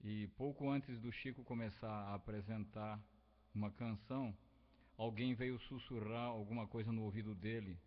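An older Brazilian man talks at a studio microphone in a small home room, in a rambling, reflective, unhurried monologue. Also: lowish voice, fairly even intonation. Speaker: home radio host and musician. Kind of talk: casual spoken monologue. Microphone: large studio microphone close up. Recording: dull lo-fi webcam recording with loud music.

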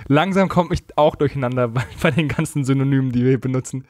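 A man's voice: mid-range voice, fast, darkish tone, no echo, studio quality. A man co-hosting a podcast in casual, conversational chat. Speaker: podcast co-host.

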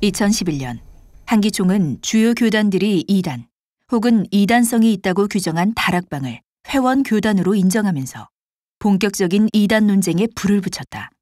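A woman reading scripted documentary narration in a formal, measured manner. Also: medium pitch, expressive, darkish tone, no echo, studio quality, natural voice.

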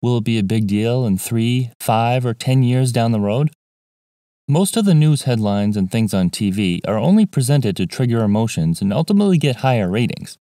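A man reading a scripted explainer voice-over in an even, measured way. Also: medium pitch, no room sound, clean studio sound. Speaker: narrator of an investing explainer.

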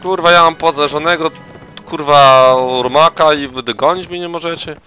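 A tired man doing a let's play gives crude, casual gaming commentary, swearing heavily and letting out mock battle cries. His voice is fairly high, sharp and clean at a normal speed, with faint music behind him.

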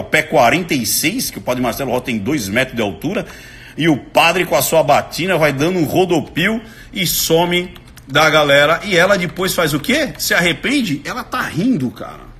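Brazilian man, high bright voice, animated live commentary, exclamatory. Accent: Brazilian Portuguese. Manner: excited, exclamatory, breaks into sudden shouts. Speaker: body language analyst.

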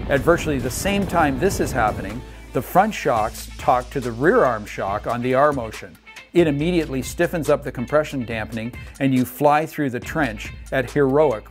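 A man in his sixties hosting a show, reading a scripted product rundown with upbeat enthusiasm. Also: medium pitch. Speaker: show host. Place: indoor studio set.

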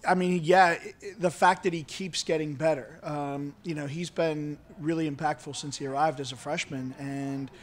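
A middle-aged man, a college soccer head coach, giving measured, halting remarks at a post-match press conference. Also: a little high, fairly even intonation. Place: indoor press conference room, seated at table. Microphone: handheld-style microphone on table stand.

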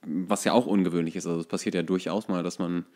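A man's voice: deep voice, fairly even intonation, fast, a little mellow. A man co-hosting a casual football chat, explaining his views and thinking aloud as he goes. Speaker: podcast co-host.

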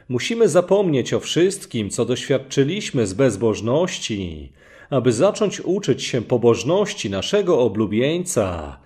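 A man preaching a sermon slowly and emphatically, reading Bible passages aloud as he goes. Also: mid-range voice, a little mellow.

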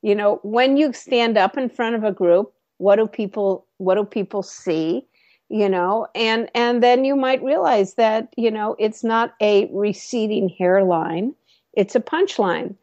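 A woman comedy coach and author, joking her way through an interview and slipping into quick comic voices. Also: mid-range voice, darkish tone, dry recording, muffled recording. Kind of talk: animated interview guest.

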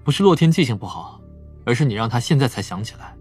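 Audiobook casting: young male investigator, calm reasoning mind, slightly rough mid-range voice, music underneath. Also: medium pitch, fast. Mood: analytical. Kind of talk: dramatised audiobook acting.

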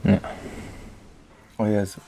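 A man's voice: takes it slowly, warm tone. A young man giving informal, reflective testimony in an earnest way, often checking for agreement with short tag questions. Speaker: resident of a youth educational centre.

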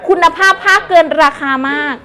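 A woman selling on a live stream with fast, excitable hype, gushing and repeating prices while chatting to customers. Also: some chatter behind. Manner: chatty, addresses viewers with polite endearments. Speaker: live-stream seller of wholesale second-hand clothing.

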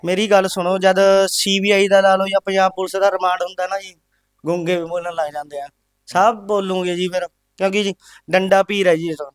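A man's voice: high voice, level tone, brisk, dry recording, clean studio sound. A man giving an impassioned, aggrieved account in a news interview, full of rhetorical questions. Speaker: interviewee, father of the family. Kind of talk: impassioned testimony.

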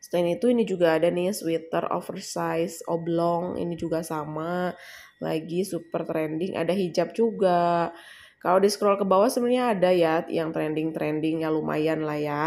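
A woman's voice: on the low side, level tone, moderate pace, gravelly, darkish tone. A young woman casually walking viewers through trending online shop products, chatty and addressing them as guys. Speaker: affiliate marketing vlogger. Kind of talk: casual screen-recording walkthrough.

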